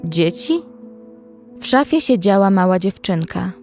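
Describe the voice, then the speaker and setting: A young woman survivor played by an actress tells a horror audio story in the first person. Her pitch is average for a woman and her delivery is measured and observant, with an anxious undertone. Music plays underneath. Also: big pitch swings, darkish tone. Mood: worried. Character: young female survivor narrating a zombie apocalypse, anxious, observant. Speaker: narrator and actress in audio drama.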